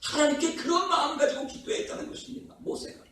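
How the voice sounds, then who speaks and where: A man's voice: very high-pitched, fairly even intonation, quick pace, fairly bright tone. A man preaching a revival sermon as pastor, with passionate rhetorical questions. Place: prayer house worship hall. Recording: echoey hall from far off, faint noise.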